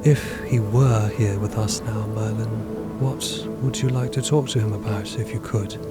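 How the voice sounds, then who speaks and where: An actor playing a calm, literal-minded companion who speaks in a measured, formal and reserved way in an audio drama. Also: male voice, on the low side, over loud music, close to an everyday voice. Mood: calm, probing. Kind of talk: audio drama acting and narration.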